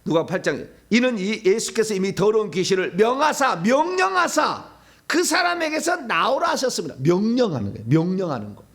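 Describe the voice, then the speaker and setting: Delivering a sermon at normal speed, a middle-aged pastor uses a high-pitched, very animated voice. He dramatizes demons begging and bellows out commands.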